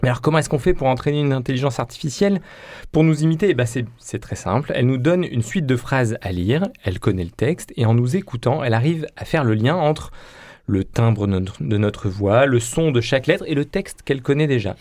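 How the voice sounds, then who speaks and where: A man's voice: mid-range voice, lively intonation, brisk, a little mellow. A man presenting a casual radio chronicle, jokey and self-mocking with frequent laughs, into a studio microphone. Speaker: podcast columnist.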